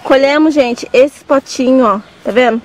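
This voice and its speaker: A young Brazilian woman vlogger with a high-pitched voice and a Brazilian Portuguese accent chats casually with her viewers at a moderate pace. She walks through her vegetable garden on a farm, pointing things out as she goes. The audio quality is poor.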